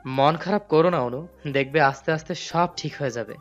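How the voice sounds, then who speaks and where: A man's voice: on the high side, fairly quick, lo-fi sound, soft background music, lightly acted. A man voicing a patient young husband in an audio drama, earnest and pleading. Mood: soothing.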